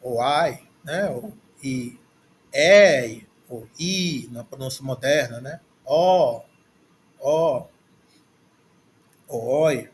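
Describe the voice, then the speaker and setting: A man's voice: mid-range voice, drawn-out words, long pauses. A man with a Brazilian Portuguese accent teaching a language lesson, reading through a textbook and saying words aloud several times as he works out how to say them. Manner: repeats words aloud, thinking as he reads. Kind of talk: slow, halting lesson, going through a textbook. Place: at a desk, screen recording.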